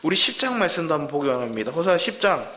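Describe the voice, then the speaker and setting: A man preaching a Sunday sermon as pastor, animated, acting out the voices he quotes. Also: on the high side, rapid-fire, a little hiss or hum. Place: church sanctuary. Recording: echoey church hall.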